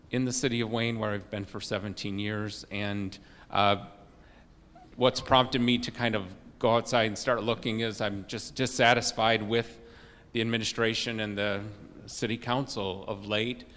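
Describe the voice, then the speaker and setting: A middle-aged man with a loud voice answering interview questions on a handheld mic, with many fillers and restarts. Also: on the low side. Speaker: job candidate. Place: township meeting room. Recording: long hall reverb.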